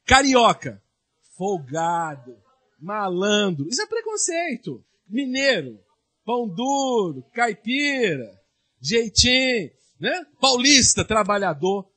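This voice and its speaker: Male pastor, sermon delivery; high, husky voice, lively rhetorical questions. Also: slow.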